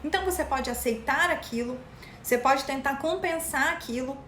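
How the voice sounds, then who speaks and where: A woman's voice: high-pitched, normal speed, fairly bright tone, a little hiss or hum. A woman with a Brazilian Portuguese accent hosting a casual live talk on mental health. She talks straight to her viewers in a chatty way. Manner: chatty, addresses viewers directly. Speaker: mental health content host. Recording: roomy echo.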